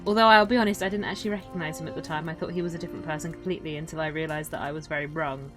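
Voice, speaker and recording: A woman playing a wry, self-possessed western traveler, recounting tales casually with dry understatement and deliberate, hesitant phrasing. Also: low-pitched, fairly even intonation, music in the background, lightly acted. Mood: wry, candid. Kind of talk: casual in-character campfire storytelling.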